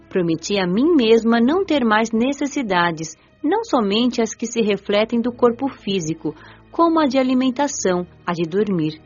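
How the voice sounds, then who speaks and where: An actress playing a young woman spirit who narrates her own story gently and earnestly in a radio drama. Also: medium pitch. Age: young adult. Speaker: narrator character. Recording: dull lo-fi audio with soft music.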